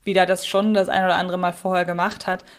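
A woman's voice: lowish voice, flat delivery, quick pace. A woman co-hosting a podcast, giving earnest opinions and thinking aloud in casual talk. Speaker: podcast co-host. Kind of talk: casual episode discussion.

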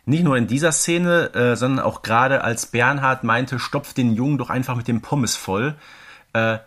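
Male podcast co-host, mid-pitched, conversational analysis of audio drama. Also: normal speed, fairly bright tone. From Ruhr area, Germany. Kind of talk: casual audio drama review chat.

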